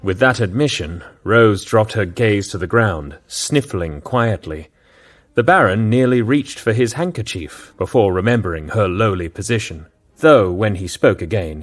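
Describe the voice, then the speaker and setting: Male narrator with a low voice. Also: lively intonation. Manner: measured, storytelling. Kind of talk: scripted audiobook narration.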